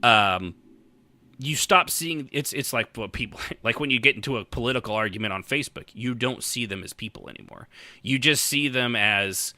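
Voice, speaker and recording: A man's voice: mid-range voice, moderate pace, bright, forceful tone, dry recording. A man co-hosting a podcast in casual, rambling talk, repeating words as he hunts for the point, with a sardonic streak. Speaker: podcast co-host.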